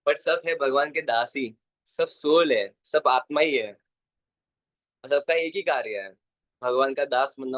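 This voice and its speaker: A man's voice: medium pitch, fairly bright tone, no echo. A young man telling a devotional story in an earnest way, repeating phrases for emphasis and mixing in English words. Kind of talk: Hindi devotional story talk.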